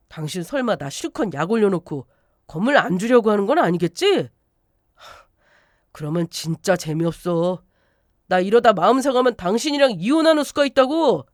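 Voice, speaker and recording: A woman's voice: on the high side, dry recording, clean studio sound, close to an everyday voice. A woman voicing a whiny, scheming, greedy middle-aged husband in a storybook narration, with wheedling, fake-sobbing pleas.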